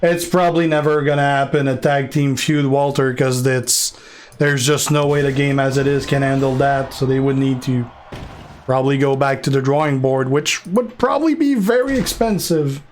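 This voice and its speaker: A man's voice: medium pitch, normal speed, slight background noise. A young man from Canada with a French Canadian accent, casually rambling as he answers viewer questions on a live game stream. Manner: relaxed, rambling with fillers and restarts.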